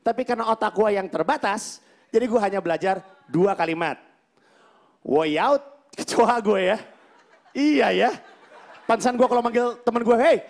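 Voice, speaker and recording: A man performing stand-up comedy on stage, telling his story in an animated way and acting out the dialogue. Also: high-pitched, moderate pace, gravelly. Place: comedy stage before a live audience.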